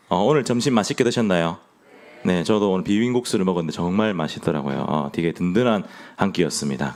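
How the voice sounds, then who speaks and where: A man's voice: fairly low pitch, darkish tone. A young man with a Gyeongsang accent preaching a sermon, playful and joking with his congregation. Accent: Gyeongsang Korean. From Gyeongsang region of Korea.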